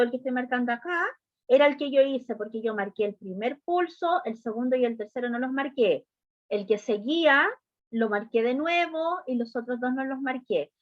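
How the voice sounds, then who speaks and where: A woman with a high voice teaches a music class, explaining each idea patiently and stopping often to ask whether her students are following. The sound is dry and close, with a dull, lo-fi tone. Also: no room sound. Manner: patient step-by-step explaining, often checking understanding with short questions. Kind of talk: online class lesson.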